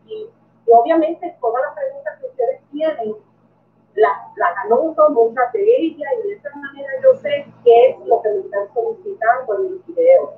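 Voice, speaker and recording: A woman's voice: high voice, sing-song, moderate pace. A middle-aged woman with a Puerto Rican accent hosts a live stream from her bedroom, chatting and greeting viewers by name. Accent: Puerto Rican Spanish. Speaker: coin collecting youtuber. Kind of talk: live stream chat reading comments. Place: bedroom at home. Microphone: webcam. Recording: tinny, distant webcam sound.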